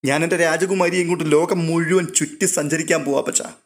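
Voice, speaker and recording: A man reads as a tipsy, lonely middle-aged father in a storybook, slurring and boastful, his voice pushed a little high. He swings from bragging to self-pity. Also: fairly even intonation, fairly quick, natural voice.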